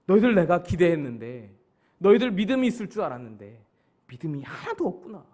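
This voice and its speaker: A man playing a grave teacher who rebukes his followers in a quiet, disappointed tone. The voice stays soft and measured. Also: sits high, big pitch swings.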